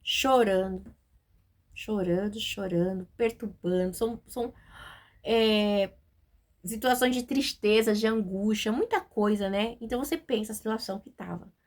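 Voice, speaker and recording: A woman with a Brazilian Portuguese accent leads an informal devotional Bible study, talking to her listeners in a loose, chatty way. She fills her speech with fillers and tag questions, and slows down when reading verses aloud. Her pitch sits at an ordinary middle level for a woman. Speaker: Bible teacher.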